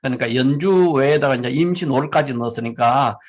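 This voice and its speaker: A man's voice: mid-range voice, a little fast. Man giving an explanatory lecture. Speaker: fortune-telling teacher.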